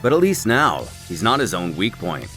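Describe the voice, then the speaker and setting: A man's voice: fairly low pitch, big pitch swings, normal speed. A man giving a scripted story narration in a wry, playful, dramatic way. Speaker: narrator of a comic recap series. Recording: music under the voice. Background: background music.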